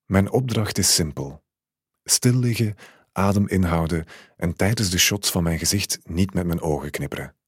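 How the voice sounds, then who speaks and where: A man calmly narrating a literary short story in the first person. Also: deep voice, normal speed, husky, no echo, clean studio sound.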